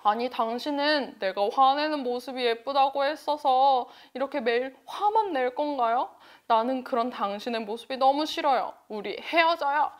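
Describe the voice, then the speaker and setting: A woman voicing fickle storybook husbands who propose with flattery and later complain politely. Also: high voice, moderate pace, hardly any pauses. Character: smitten husbands, fickle grown men.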